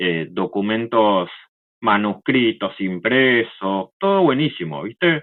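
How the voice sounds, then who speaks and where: With an Argentine accent, a man speaks at a very slow pace while his pitch swings very widely. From Argentina. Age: young. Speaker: accessibility consultant. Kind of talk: interview answer.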